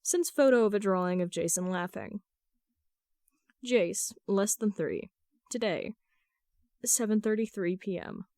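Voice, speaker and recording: Female podfic narrator, mid-pitched voice, closely recorded with very little room sound, reading fan fiction. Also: measured pace, long pauses, darkish tone, no echo, clean studio sound. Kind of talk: scripted narration, amateur audiobook reading of texts and story.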